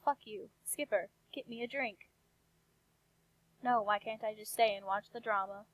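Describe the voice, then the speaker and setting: A woman reading the parts of rude, bickering dolls in a flat monotone, deadpan. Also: mid-range voice, a little slow, no echo, close to an everyday voice, rough recording. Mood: flat, insulting. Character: foul-mouthed bickering dolls from a homemade Barbie movie.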